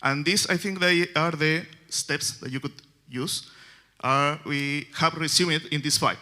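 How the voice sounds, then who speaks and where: Chilean man presenting at a developer conference, very bright tone, halting English. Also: a little high, steady tone. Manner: halting, many fillers and restarts, non-native phrasing. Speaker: conference speaker. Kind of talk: technical conference talk. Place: conference stage.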